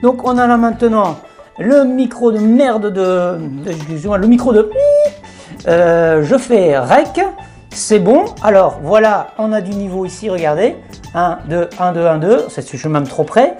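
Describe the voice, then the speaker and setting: A man's voice: high voice, expressive, a little slow, a little mellow, soft background music. Chatty man demonstrating audio gear. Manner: chatty, hesitant, many fillers and restarts. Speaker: video tutorial host. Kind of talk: casual hands-on gear demo.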